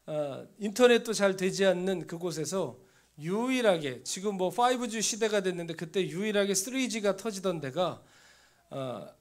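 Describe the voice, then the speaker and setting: High-voiced Korean pastor telling a story. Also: male voice. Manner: storytelling, drops to a hushed near-whisper for inner thoughts. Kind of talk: sermon. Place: church sanctuary.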